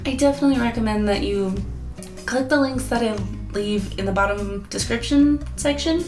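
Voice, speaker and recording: A young woman reviewing an app in a chatty, earnest, rambling way, hoarse as she loses her voice. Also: a little high, normal speed. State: losing her voice. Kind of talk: casual review vlog. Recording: echoey room with guitar music.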